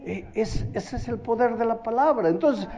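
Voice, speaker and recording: A male pastor preaching a sermon, animated, asking rhetorical questions and telling stories. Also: very high-pitched, normal speed, dull audio.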